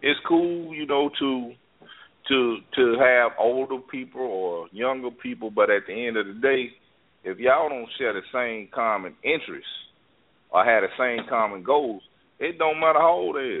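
Ordinary pitch variation shapes the medium-pitched voice of this man. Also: moderate pace. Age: 40s. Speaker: caller. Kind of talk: casual call-in chat. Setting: phone call. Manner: halting.

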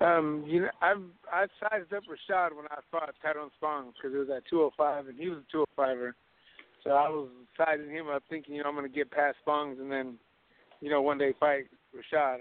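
Speaking at a moderate pace, a man has an unremarkable speaking voice, fairly high pitch and fairly even intonation. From California. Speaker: MMA fighter. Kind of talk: interview. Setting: phone call.

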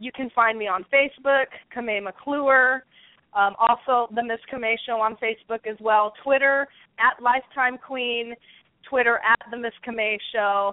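Fairly even intonation and a moderate pace from a woman with an unremarkable speaking voice pitched fairly high. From raised in Italy and Greece, then Idaho. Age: 20s. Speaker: pageant titleholder and mentor. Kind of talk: talk radio interview.

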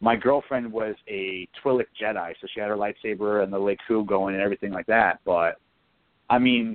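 This man has an unremarkable speaking voice, fairly low in pitch, talking at a moderate pace with fairly even intonation. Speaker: caller and cosplayer. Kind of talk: casual chat. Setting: phone call.

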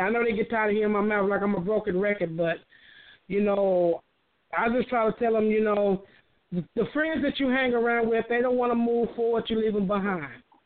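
Using a plain, everyday voice, a woman speaks fairly quickly at a fairly high pitch with ordinary pitch variation and very even loudness. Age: 40s. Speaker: hospital worker and mother calling in. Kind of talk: call-in radio discussion.

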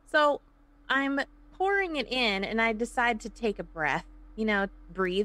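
A woman with a slight Chicago accent speaks at a fairly high pitch in an animated tone, with very wide pitch swings. Her pace is fairly slow, with long, frequent pauses. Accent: Chicago area Midwestern, slight. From northwest suburbs of Chicago. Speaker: business owner and eco-friendly cleaning service host. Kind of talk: casual interview chat. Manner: animated, laughs often.

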